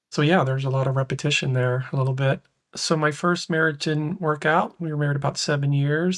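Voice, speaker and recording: An ordinary speaking voice with an American accent and fairly even intonation, in a very clean recording with a silent background. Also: man. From Texas. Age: 60s. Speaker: father and grandfather sharing parenting experience. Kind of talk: podcast interview.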